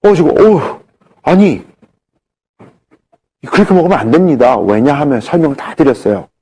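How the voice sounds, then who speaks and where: Animated husky man lecturing. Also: a little high, moderate pace. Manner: animated, acts out dialogue in his anecdotes. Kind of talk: storytelling health lecture.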